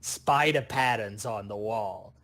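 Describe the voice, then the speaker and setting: Tabletop goblin demolitionist , male player, lowish voice, excitable, wary, wisecracking. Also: takes it slowly. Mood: wary, suspicious.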